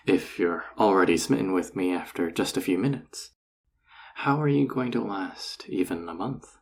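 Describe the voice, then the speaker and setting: A man playing a flirty, self-assured enchanter boss in an audio roleplay, teasing and coaxing the listener in a husky, gravelly voice. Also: low voice, slight background noise, exaggerated voice. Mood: amused, challenging. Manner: teasing, coaxing, casually confident. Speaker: voice actor. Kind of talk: intimate scripted audio roleplay addressed to the listener.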